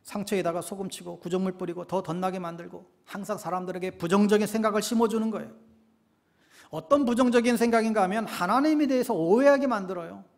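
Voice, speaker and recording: A man's voice: high voice, fast, vocal fry, a little mellow. A male pastor preaching a sermon, often asking the congregation rhetorical questions.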